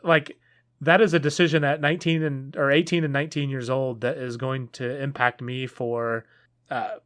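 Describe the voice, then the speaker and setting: A man co-hosting a casual podcast, talking in long earnest rambles that trail off quietly. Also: medium pitch, flat delivery, normal speed. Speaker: podcast co-host. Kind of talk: casual chat.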